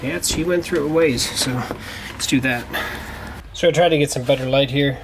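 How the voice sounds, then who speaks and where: A man narrates a practical DIY job over clear background noise in a garage. His voice sits at an average pitch, and he explains each step informally with a folksy turn of phrase, talking while he works. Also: moderate pace. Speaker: DIY car tutorial presenter. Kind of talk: casual hands-on how-to narration. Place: garage, working around a vehicle. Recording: clearly noisy garage camera recording.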